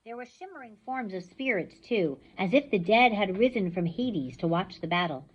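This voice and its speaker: A woman reading a novel aloud with expressive storytelling. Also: medium pitch, normal speed, breathy edge, dull audio. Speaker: reader.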